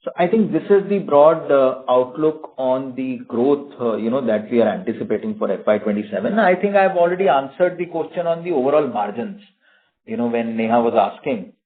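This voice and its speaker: A man with an Indian accent speaking as a company executive on an earnings call, halting, with frequent filler phrases. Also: medium pitch, expressive. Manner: halting, frequent "you know". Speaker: company executive answering analyst questions. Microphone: conference phone call. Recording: narrow tinny phone-line audio.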